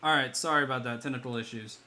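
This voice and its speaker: A man's voice: medium pitch, fast, sharp tone. A young man livestreaming while he draws viewers' characters, chatting loosely with his chat. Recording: music playing behind.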